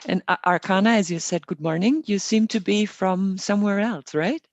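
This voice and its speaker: A woman hosting an online meditation session, welcoming people in a gentle, unhurried and reassuring way. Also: mid-range voice, dry recording, dull audio. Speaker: meditation host. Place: online group call.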